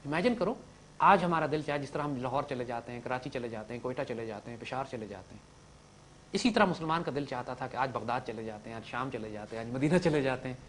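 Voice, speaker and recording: A man with a Pakistani Urdu accent preaches to young students in a fervent oratorical style. His mid-range voice surges into loud declarations and then falls to quiet, low asides. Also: fast talker, slight background noise. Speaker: religious lecturer. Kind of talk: impassioned religious lecture to young students.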